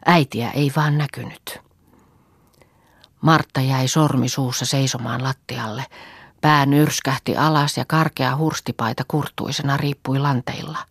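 A woman reading a novel aloud as an audiobook narrator, calm and measured. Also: extremely low pitch, vocal fry, slightly rough, no room sound, clean studio sound. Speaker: audiobook reader.

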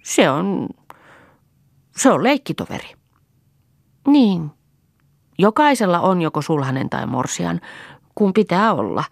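A woman's voice: on the low side, sing-song, gravelly, pauses often, no echo, studio quality, pitched above the performer's own voice, full character voice. A woman reading aloud, voicing an earnest little country boy who coaxes his playmate. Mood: eager.

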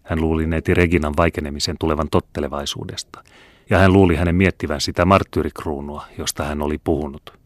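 A man narrating a classic novel as an audiobook reader in a measured, even way. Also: rumbling low, no room sound, clean studio sound.

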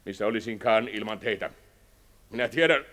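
A man's voice: fairly low pitch, a bit bright, close to an everyday voice. An actor playing a domineering, cold male dictator president in a radio drama, speaking curtly and imperiously. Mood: stern. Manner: curt, imperious, cutting. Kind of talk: 1960s radio drama acting.

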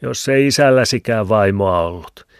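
A man voicing a pious, whining old village woman with a squeaky voice, in a dry close recording. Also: dry recording, lightly acted. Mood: pious whine. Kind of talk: audiobook reading. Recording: dry close studio sound.

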